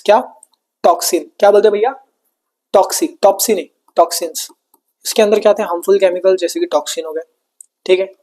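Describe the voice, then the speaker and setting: A man's voice: high-pitched, a little mellow. Chatty Indian male science teacher. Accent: Indian English. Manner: chatty, repetitive, calls students brother. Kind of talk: online exam-prep lesson.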